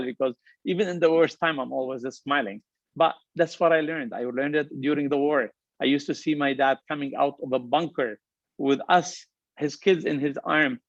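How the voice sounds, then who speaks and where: A man's voice: a little high, no room sound, highs cut off. Lebanese-accented man giving an upbeat keynote. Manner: earnest, upbeat, emphatic with repeated phrases. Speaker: restaurant company founder giving a talk. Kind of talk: motivational keynote speech.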